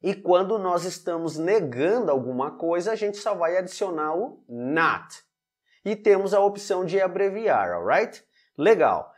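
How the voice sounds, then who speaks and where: A Brazilian man teaching English grammar in an online lesson, often checking in with "alright?" and repeating example sentences slowly. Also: high voice, sing-song. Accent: Brazilian Portuguese.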